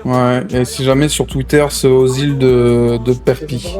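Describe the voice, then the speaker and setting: A man's voice: mid-range voice, flat delivery, unhurried. A man with a mid-range voice improvises in a game roleplay. He talks like someone in charge, casual and full of slang, with light music underneath. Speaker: streamer role-playing a gang boss in an online game.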